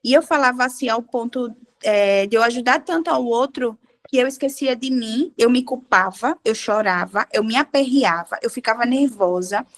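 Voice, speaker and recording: A woman with a high, bright-sounding voice shares her testimony in a relaxed devotional chat among women. She tells her stories animatedly and acts out the dialogue as she goes. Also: normal speed. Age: adult with a child. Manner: animated storyteller, acting out dialogue. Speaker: devotional group participant.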